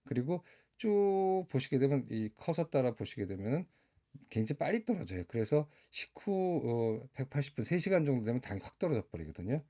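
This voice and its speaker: A middle-aged man, a doctor, explaining slides to viewers in a relaxed, measured way with frequent fillers. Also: mid-range voice. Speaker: doctor explaining diabetes care.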